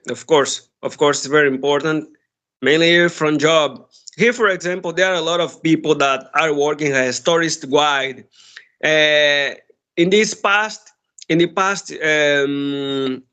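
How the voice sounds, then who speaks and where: Friendly Angolan man, higher voice. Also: pushed and bright, clear, resonant tone. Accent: Angolan Portuguese. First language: Portuguese. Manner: friendly, thoughtful, laughs often. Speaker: conversation partner. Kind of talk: casual chat.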